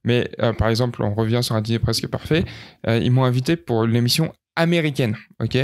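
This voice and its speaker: A man from France hosting a podcast, chatting casually with playful deadpan jokes and lots of hesitation. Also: medium pitch, a little fast. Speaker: podcast host. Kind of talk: casual chat.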